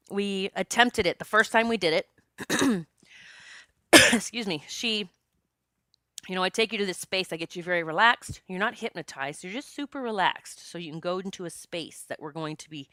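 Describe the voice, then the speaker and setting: A woman in her late forties talks through a solo podcast episode. She is chatty and expressive, and her voice is bright and forceful. The sound is dry and close, with no room echo. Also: lowish voice. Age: 40s. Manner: chatty and expressive, jokes with listeners. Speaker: podcast host and psychic medium.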